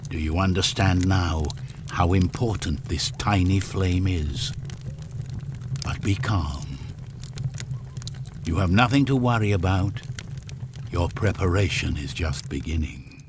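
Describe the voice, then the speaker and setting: Man voicing a slow, deep tribal shaman mentor. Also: noisy background. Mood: solemn, reassuring. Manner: solemn, instructive, unhurried. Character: solemn, reassuring male tribal shaman mentor. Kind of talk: video game story acting. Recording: music under the voice.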